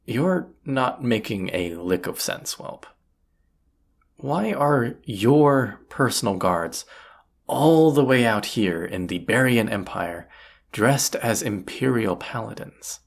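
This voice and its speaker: An actor playing a gruff, teasing bandit leader in a roleplay audio drama, with a husky voice and a sardonic, folksy drawl. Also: medium pitch, expressive, slow pace, exaggerated voice. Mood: baffled, incredulous.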